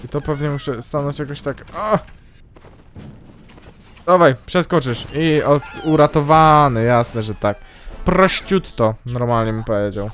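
A young man commentating his own gameplay, excitable and yelping loudly whenever something goes wrong. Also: a little high. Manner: excitable, yelps and shrieks at mishaps. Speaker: gaming YouTuber. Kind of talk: let's play commentary.

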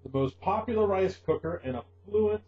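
A middle-aged man hosting a casual news lesson for English learners, joking sarcastically and pausing to explain words. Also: sits high, lively intonation, reverberant. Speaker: host of an online English lesson show. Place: small room at a desk. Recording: muffled, noisy webcam audio with hum.

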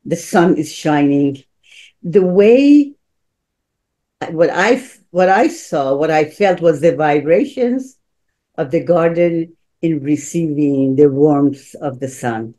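A woman's voice: low voice, animated, slow pace, warm tone. An older woman talking reflectively and informally on a video call. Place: book-lined room at home, on a video call. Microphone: computer mic on a video call.

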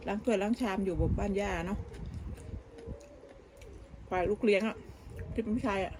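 A woman chats in a gossipy, rambling way, often starting over mid-sentence. Her voice is mellow and soft-edged. Faint clinking of dishes and pans sits behind her in a home kitchen. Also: medium pitch, fairly even intonation, moderate pace, slight background noise. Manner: gossipy, talks with many restarts and fillers. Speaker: vlogger. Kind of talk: casual chatty storytelling.

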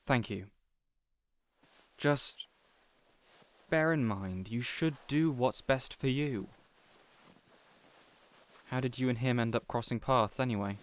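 A man's voice: medium pitch, slow pace, long pauses, close to an everyday voice. Man playing a flustered, earnest supervillain boss. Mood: earnest, gentle. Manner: earnest, exasperated, wholesome mild oaths. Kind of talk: audio roleplay addressed to the listener.

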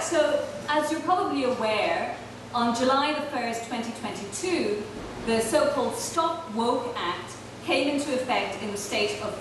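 A woman raised in Ireland giving an academic keynote lecture at a panel table, speaking in a measured, thoughtful way with frequent fillers. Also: on the high side. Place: large hall, on stage at a panel table. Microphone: table microphone, heard from far off. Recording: echoey hall from far off, noisy.

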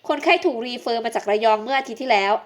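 An earnest young female surgeon in a romance audio novel talks in a slightly high, hurried voice. A woman reader voices her in her own tone. She explains things briskly and seriously. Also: steady tone, natural voice.

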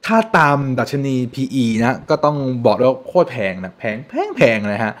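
A young man hosting a finance channel, explaining stock news to camera in an animated, chatty way from a room at home. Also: medium pitch, normal speed. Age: young adult. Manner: animated, chatty, frequent polite particles. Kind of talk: casual explainer talk to camera. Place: home room with shelves, indoors.

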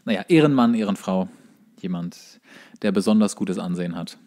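A man's voice: deep voice, brisk, a little mellow. A man co-hosting a comedic podcast, teasing and quizzing in a casual, wry way. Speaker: podcast co-host. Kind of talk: casual comedic banter, quizzing his co-host.

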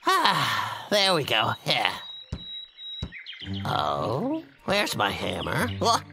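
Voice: medium pitch, huge pitch swings, extremely slow, creaky, music in the background, full character voice. An actor playing a blustering, secretive cartoon logger who talks in a theatrical drawl and gets flustered easily. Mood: puzzled. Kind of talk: exaggerated cartoon acting.

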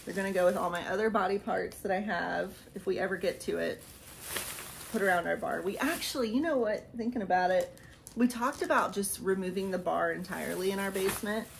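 Slightly gravelly, chatty woman vlogger. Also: mid-range voice, brisk, noisy background. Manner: chatty, rambling, laughs often. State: losing her voice. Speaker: vlogger showing a haul. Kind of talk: casual haul vlog. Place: small decorated room indoors.

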